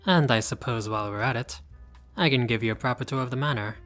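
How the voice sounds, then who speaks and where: A man's voice: mid-range voice, quick pace, a bit bright, soft background music, close to an everyday voice. A man playing a haughty but friendly vampire lord in a roleplay audio, speaking in a formal, fussy, politely pompous way. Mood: gracious, refined. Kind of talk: scripted roleplay audio addressed to the listener.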